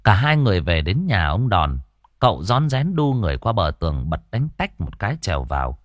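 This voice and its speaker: A male storyteller reads a ghost story. His low voice moves lively and expressively. It sounds close and dry, with no room around it. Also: fairly quick, no echo.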